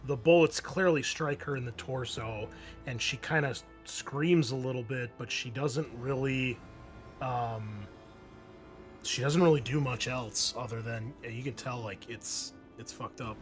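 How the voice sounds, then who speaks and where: A man's voice: mid-range voice, measured pace, soft background music. A man narrating a tabletop roleplaying game as game master, improvising in a casual, profane way.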